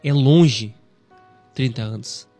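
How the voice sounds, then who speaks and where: Soft background music plays as this Brazilian Portuguese-accented man in his thirties, a Christian radio presenter, gives a devotional talk that gently preaches in a conversational tone, frequently tagging lines with "né". He speaks slowly in a slightly rough, medium-pitched voice.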